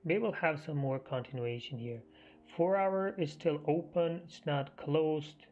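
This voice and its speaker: A man hosting a live trading stream, half losing his voice, talking through the market in a halting, think-aloud way. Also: a little high, darkish tone. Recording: muffled stream audio with faint music.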